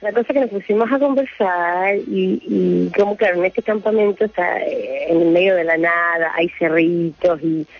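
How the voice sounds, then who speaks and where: A woman's voice: fairly low pitch, moderate pace, vocal fry, hardly any pauses, breathy edge, no echo. A Chilean woman calling into a radio show by phone, telling a rambling story with frequent laughs. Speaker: caller. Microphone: phone call. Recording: muffled phone line with faint music.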